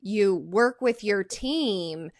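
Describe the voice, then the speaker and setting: A woman's voice: medium pitch, expressive, extremely slow, no echo. Affirming woman interviewer, dry sound. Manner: friendly and affirming. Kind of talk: casual interview chat.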